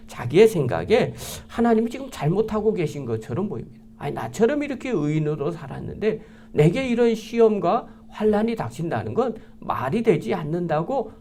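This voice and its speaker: A male pastor preaching a sermon in church, reading scripture aloud and acting out quoted lines, sometimes dropping to a hushed whisper. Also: high-pitched.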